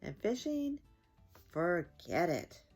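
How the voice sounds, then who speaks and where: A woman's voice: lowish voice, sing-song, slow, a little mellow, soft background music. An older woman hosting a children's story time, reading aloud expressively to young listeners.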